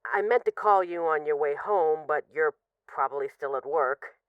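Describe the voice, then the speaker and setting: A woman's voice: low voice, normal speed, no echo, narrow, tinny audio, lightly acted. A woman playing an affectionate, wry mafia boss who misses her partner, rambling hesitantly through intimate voicemails in an audio roleplay. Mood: wistful, apologetic. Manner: hesitant, sighing, wry, conversational.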